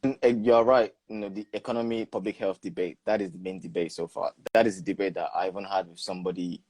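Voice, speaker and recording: A young man in his twenties with a very deep voice speaks in a casual chat with a friend. He talks deliberately and leans on his key words. The sound is dry and close. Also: fairly even intonation, darkish tone, dry recording. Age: 20s. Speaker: PhD student guest. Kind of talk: casual conversation.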